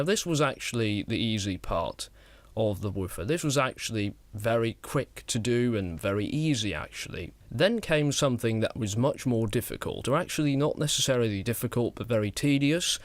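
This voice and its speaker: A young man presents a DIY build in an explanatory voice-over. His voice sits at an average male pitch. The sound is dry and close, from a studio microphone in a small room. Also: no room sound. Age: late teens to young adult. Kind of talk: explanatory how-to voice-over narration. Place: small wood-panelled attic room. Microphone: close studio mic on a boom arm.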